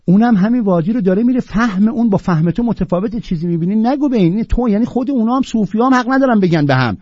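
A man giving an impassioned lecture on Sufi poetry, swinging from loud declaiming to low, blunt, mocking asides. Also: expressive, breathy edge, no echo, highs cut off.

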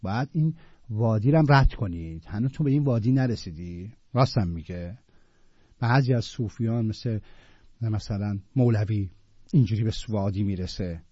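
A man's voice: on the low side, dark tone, slightly rough, no room sound, lo-fi sound. A man teaching classical Sufi poetry, reciting verses with rising emphasis and then explaining them in loose, casual talk.

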